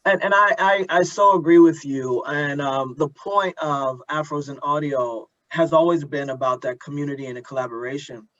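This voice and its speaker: A man hosting a conversation, speaking earnestly and reflectively, haltingly repeating words as he builds his point. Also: on the high side, fairly bright tone. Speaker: interviewer and host of an audio drama community event. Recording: dull lo-fi audio.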